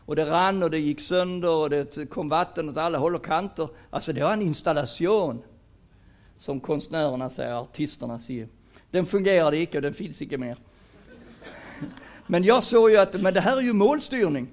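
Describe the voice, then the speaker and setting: A retired man in his sixties from Sweden, giving a lecture on career guidance and mixing Danish words into his Swedish in an animated, playful way. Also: a little high. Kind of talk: lecture to an audience.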